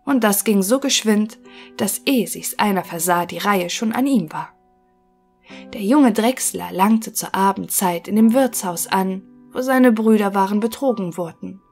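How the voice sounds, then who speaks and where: Calm woman reading a fairy tale. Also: medium pitch, soft background music. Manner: calm, measured storytelling. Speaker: narrator.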